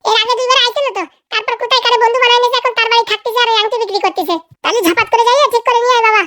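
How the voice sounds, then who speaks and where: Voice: very high-pitched, fairly even intonation, rapid-fire, sharp tone, no echo, clean studio sound. A performer voicing a cheeky, eager young sidekick in a comedy cartoon, chattering in a colloquial way. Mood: chatty. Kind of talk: comic cartoon dialogue.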